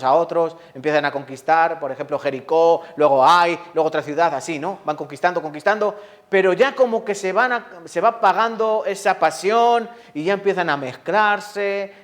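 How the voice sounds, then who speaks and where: A man preaching a sermon, lively and full of rhetorical questions to the congregation. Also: a little high. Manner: lively, asks the audience rhetorical questions, acts out quotes.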